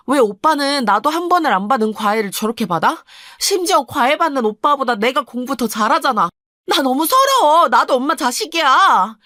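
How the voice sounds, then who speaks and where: Woman playing a high-voiced aggrieved teen girl. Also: bright, forceful tone, dry recording, studio quality. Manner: pleading, aggrieved complaints. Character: resentful, clever teenage girl. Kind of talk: radio story drama.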